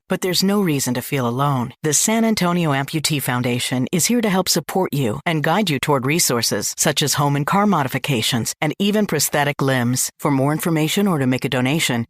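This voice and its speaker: Man voicing a charity spot, raised pitch, dry booth sound, earnest. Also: dry recording. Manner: earnest, measured. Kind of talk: charity radio ad read.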